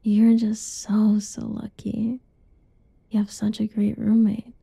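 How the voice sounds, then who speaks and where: Slow breathy whispering young woman. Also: mid-range voice, monotone, dry recording. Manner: soft teasing whisper. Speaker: ASMR roleplay creator. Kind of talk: whispered ASMR roleplay.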